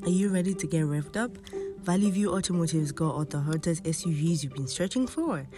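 Female voice-over artist, slightly low pitch, scripted promo read, distant mic, clear music bed. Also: lively intonation, brisk.

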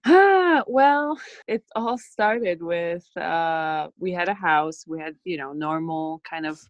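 A woman with a light Polish accent, a guest on a podcast, with a fairly low voice. She laughs easily and tells her story in an open, friendly way. The sound is dry and close. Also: expressive, slow, no room sound, dull audio. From Poland. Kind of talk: casual interview.

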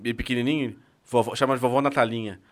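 A man's voice: medium pitch, fairly even intonation, fast. A man with a Brazilian Portuguese accent co-hosting a podcast, telling playful, joking stories in casual chat. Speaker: podcast co-host.

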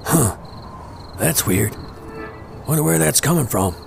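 A man's voice: medium pitch, animated, a little slow, vocal fry, a little mellow, soft background music. A man playing a sardonic, foul-mouthed slacker hustler with a casual, slangy, wisecracking manner in an audio drama. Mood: puzzled.

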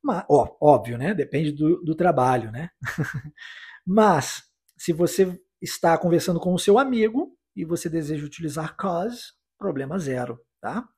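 A man from Brazil teaching English in a podcast lesson, explaining phrases and then repeating the English lines slowly for listeners to practise. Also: fairly high pitch, animated, a little mellow, husky. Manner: encouraging, with tag questions like "né?" and "tá?".

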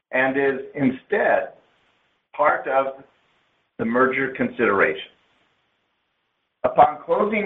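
Man on a tinny, echoey phone line. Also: medium pitch. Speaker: company executive on an investor earnings call. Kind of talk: scripted corporate presentation, read aloud. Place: conference call line. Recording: narrow phone-line sound, roomy echo.

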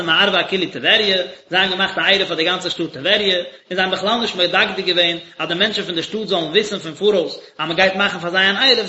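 A man's voice: high-pitched, bright, forceful tone. A man, a rabbi, teaching a daily religious text lesson and explaining it phrase by phrase in short bursts. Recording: echoey, dull lo-fi recording.

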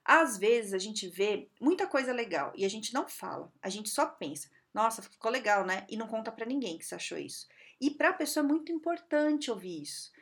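Middle-aged woman, fairly high voice, casual vlog advice, lively and chatty, does quick mock voices. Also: slightly rough. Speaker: vlogger giving workplace advice. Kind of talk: casual monologue to camera.

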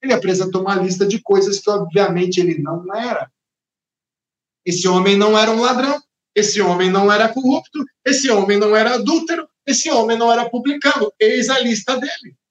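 A Brazilian Portuguese–accented man delivers a sermon with a high, lifted voice. He hammers home points in repeated, emphatic phrases. The sound carries the echo of a roomy space. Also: fairly quick. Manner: emphatic, repetitive preaching cadence. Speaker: preacher.

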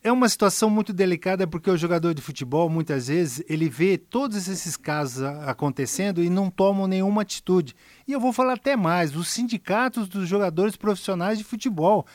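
A man with a Brazilian accent gives sports commentary as a radio pundit. His voice is high, captured close and dry. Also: a little fast, hardly any pauses, darkish tone, no echo. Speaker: former footballer, sports pundit.

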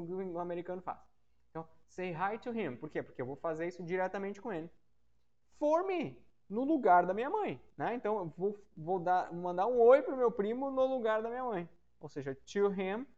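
A man teaching an English grammar lesson on a podcast. He repeats his example sentences slowly and keeps checking that listeners follow. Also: high-pitched, darkish tone. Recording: dull, muffled lo-fi audio.

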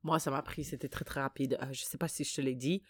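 Low-voiced French-speaking woman, casual bilingual chat. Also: fast talker, husky, no echo, studio quality. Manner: animated storytelling, slangy, emphatic. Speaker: podcast co-host.

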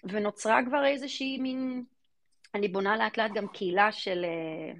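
A woman's voice: medium pitch, fairly bright tone. A woman with an Israeli accent giving casual interview answers, emphatic and informal, often repeating words for emphasis. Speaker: guest, fintech venture investor.

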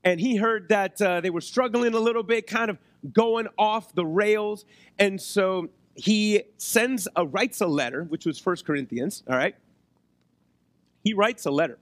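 A man preaching a sermon in a conversational way, his voice hoarse as if he has been losing it, often checking in with his listeners. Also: sits high, measured pace, dry recording. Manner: conversational, checks in with rhetorical questions. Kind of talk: sermon to a congregation. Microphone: close microphone on a PA.

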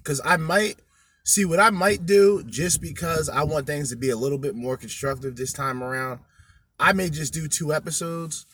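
A man's voice: a little high, moderate pace, fairly bright tone, slight background noise. A man co-hosting a podcast, ranting bluntly with heavy swearing. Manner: profane, blunt, emphatic. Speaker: podcast co-host. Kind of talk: crude ranting commentary.

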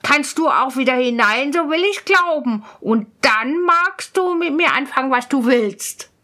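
A woman voicing a fearless, quick-witted young male student who speaks up loud and bold. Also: high voice, lively intonation, heavily acted. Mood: firm. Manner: raised, bright and bold.

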